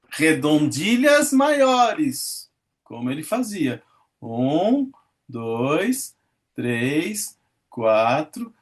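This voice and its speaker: A man giving a talk on poetry, reading poems aloud, counting syllables and asking his audience questions. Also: mid-range voice. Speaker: lecturer. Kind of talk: lecture on poetry.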